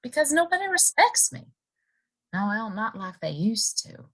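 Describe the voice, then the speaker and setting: An actress playing a wistful young saloon woman in a Western audio drama, curious and hesitant, with expressive pauses. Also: on the high side, heavily acted.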